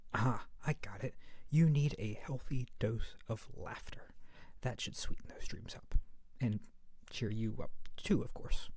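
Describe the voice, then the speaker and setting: Man playing a soft-spoken friendly monster, very close up. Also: mid-range voice, dry recording. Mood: concerned, soothing. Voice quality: soft, breathy, often near-whisper. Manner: gentle, playful, coaxing. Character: friendly, sheepish monster under the bed who tells corny jokes. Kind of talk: soft-spoken ASMR roleplay. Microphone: very close to the mic.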